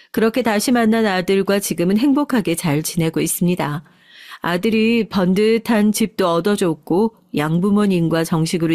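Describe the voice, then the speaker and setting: A woman reading a first-person life story in a soft, earnest, confiding way. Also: lowish voice, dry recording, clean studio sound.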